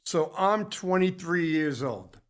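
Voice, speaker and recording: A man with a somewhat high voice talks through a lecture-style commentary for a community TV show. His delivery is unhurried and halting, and he often stops to restart or correct a word. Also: expressive. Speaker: host of a local community TV talk show.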